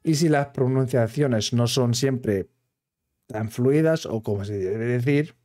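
Mellow-voiced Swiss man vlogging. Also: mid-range voice. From Switzerland. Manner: careful, halting Spanish of a non-native speaker. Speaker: gaming video creator. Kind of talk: casual talk to camera.

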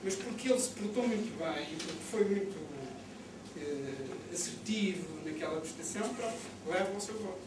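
A man's voice: high-pitched, animated, normal speed. A man with a European Portuguese accent making spontaneous remarks as an audience member at a public debate. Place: indoor room with seated audience. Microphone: far camera. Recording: very echoey, distant, noisy room.

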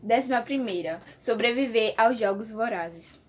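A woman reads short quiz questions off a list in a brief, matter-of-fact way. Her voice sits a little high. A steady hiss of noise runs under the home video recording. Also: normal speed. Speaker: producer reading the questions.

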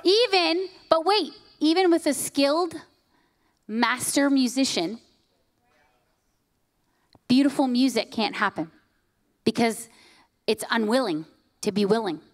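A woman in her forties preaching a sermon on a church stage into a handheld mic, emphatic, often dropping to hushed lines. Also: high-pitched, expressive, measured pace, pauses often, no room sound. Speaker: pastor. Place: church stage, large hall.

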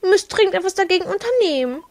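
A woman's voice: very high-pitched, lively intonation, fast talker, voice pushed up. A woman voicing a sweet, fussy female shopkeeper from a video game in a sugary, doting manner. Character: sweet fussy female school-shop keeper.

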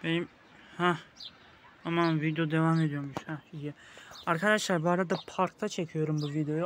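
Outdoors in a park, a young male gaming video host with a fairly high, fairly bright voice runs a casual let's-play. He talks viewers through the game and playfully teases the game baby with mock insults.

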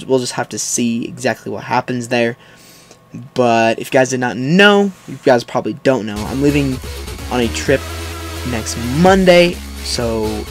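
Young man doing casual game commentary over music. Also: mid-range voice. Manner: excitable exclamations, chatty asides to viewers. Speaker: gaming video host. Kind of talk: live gameplay commentary, casual. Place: indoors, voice-over on game footage.

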